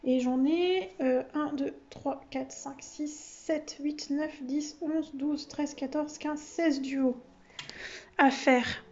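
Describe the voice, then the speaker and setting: A woman with a high, mellow voice talks through her hobby notebooks in a loose, chatty flow. She keeps losing her thread and cutting herself off. The recording sounds slightly dull. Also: steady tone, takes it slowly. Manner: rambling and self-interrupting, laughs at herself. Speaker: vlogger. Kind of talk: casual chatty vlog talk.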